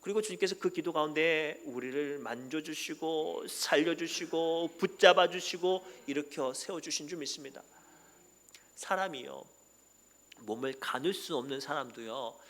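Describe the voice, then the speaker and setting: A man preaching a sermon as pastor, animated and sometimes shouting. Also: fairly high pitch. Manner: animated, acts out quoted voices and sometimes shouts.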